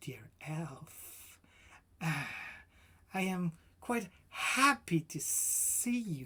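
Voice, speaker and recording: In a put-on character voice, a female-sounding speaker holds a medium pitch. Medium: read story. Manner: formal, polite.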